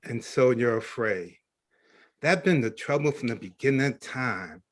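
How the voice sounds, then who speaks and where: A man's voice: medium pitch, animated, measured pace, no room sound, studio quality. Man acting a grave, embittered older brother. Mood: bitter. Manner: grave, brooding. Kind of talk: stage play reading. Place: video call play reading.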